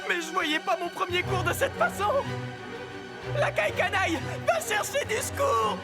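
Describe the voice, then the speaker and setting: Sassy cartoon superhero kid, very high and animated, dramatic show-off, loud music behind. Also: female voice, moderate pace. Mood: exasperated. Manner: sassy, exclamatory, melodramatic. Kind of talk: French cartoon dub acting.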